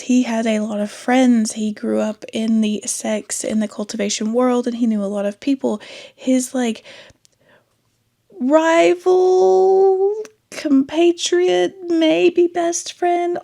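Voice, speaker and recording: A woman's voice: high voice, gravelly, warm tone. A congested woman hosting a casual book review channel, rambling and correcting herself and laughing often as she talks into a desk microphone. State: congested from a cold. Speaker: booktube host.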